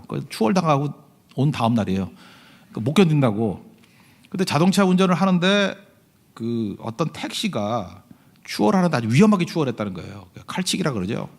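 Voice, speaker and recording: Male pastor telling stories in a sermon. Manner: conversational storytelling, often asking the congregation "right?"; swings between loud emphasis and hushed low asides.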